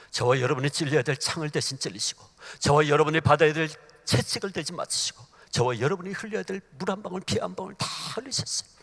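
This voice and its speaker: A male pastor preaching a sermon at a church service, telling a story with emotion and building to loud exhortation. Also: medium pitch, husky.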